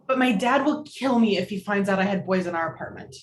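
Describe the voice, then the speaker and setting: A woman's voice: medium pitch, animated, fast, a little hiss or hum, close to an everyday voice. A woman playing an anxious, earnest teenage girl in a virtual table read. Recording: roomy, echoing home room.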